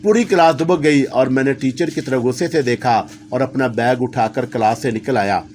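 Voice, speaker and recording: A man's voice: mid-range voice, normal speed, a little mellow, a little hiss or hum. A man telling a first-person horror story in a dramatic, scripted narration style.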